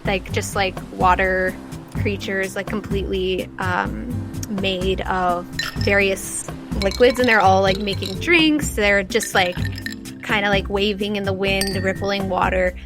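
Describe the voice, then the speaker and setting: A woman narrating a tabletop game as game master, improvising casually and haltingly. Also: mid-range voice, steady tone. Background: music.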